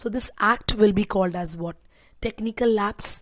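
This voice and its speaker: A woman speaks quietly at a fairly slow pace. Her medium-pitched voice keeps fairly even intonation. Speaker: online exam-prep teacher. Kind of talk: lecture.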